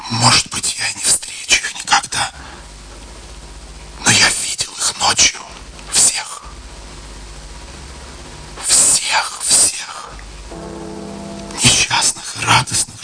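An actor playing an exuberant, romantic and dreamy male painter in a radio drama, with theatrical delivery. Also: mid-range voice.

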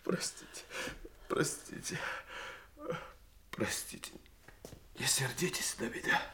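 An actor playing a sensitive, anguished grown son, apologetic and halting, in an emotional audio stage drama. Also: male voice, medium pitch, big pitch swings, bright, forceful tone, full character voice. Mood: pleading.

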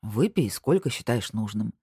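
Laid-back yankee guy, as a reader puts him on, low and mellow, dry close sound. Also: expressive, normal speed, breathy edge, dry recording. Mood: relaxed. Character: easygoing Northern man, a calm accountant. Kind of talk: audiobook dialogue.

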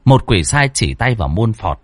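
A man's voice: on the low side, big pitch swings, normal speed, no echo. A man narrating a ghost story in a dramatic, vivid storytelling manner.

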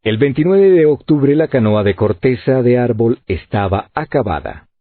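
Husky man narrating over tinny audio. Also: mid-range voice, lively intonation, normal speed, no echo. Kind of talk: scripted narration.

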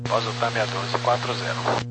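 A man's voice: mid-range voice, flat delivery, fairly quick. A man, an airline pilot giving clipped readbacks over aviation radio. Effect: pilot heard over aviation radio. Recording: noisy radio transmission.

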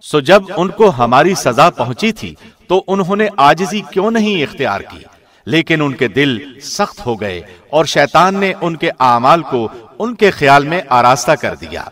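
A man reading a scripture translation from a script in a measured, formal radio-presenter manner. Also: on the high side, very animated, fairly bright tone. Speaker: translation reader.

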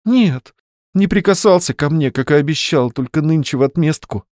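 A man's voice: a little high, lively intonation, moderate pace, a little mellow, dry recording, clean studio sound, voice pushed up, lightly acted. A man voicing a distressed young woman who pleads for help, in a raised, pleading voice.

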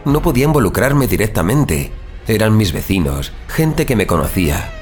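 A man's voice: on the low side, sing-song, moderate pace. A man playing a tormented superhuman vigilante who narrates his own fall into violence in a brooding, dramatic horror audio drama. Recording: dramatic music behind the voice.

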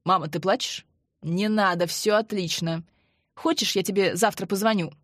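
A woman's voice: medium pitch, moderate pace, no echo, close to an everyday voice. A woman voicing a young man who talks in a dry, teasing way. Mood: wry. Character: young man, wry and joking.

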